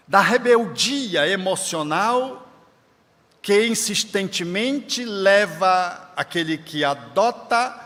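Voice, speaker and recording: At an event in a large hall, a man gives a forceful, emphatic spiritist lecture, quoting scripture like a preacher. His voice sits high and bright, trailed by a long reverb.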